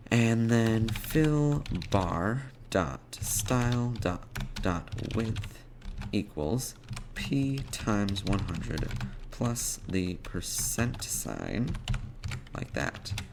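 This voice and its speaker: Male tutorial presenter, low and gravelly, thinking aloud in a casual, halting way over noisy typing. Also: very animated. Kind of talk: casual step-by-step coding screencast narration. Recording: clear background noise, keyboard clicking and typing. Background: computer keyboard typing and clicks.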